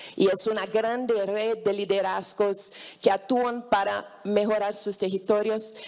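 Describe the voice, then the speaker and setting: A woman is speaking here. Her intonation is monotone and flat, and her pace is fairly slow. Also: medium pitch for a woman. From Brazil, Rio de Janeiro. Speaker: nonprofit founder. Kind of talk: conference presentation. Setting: stage with audience. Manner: halting. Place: hall. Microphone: handheld.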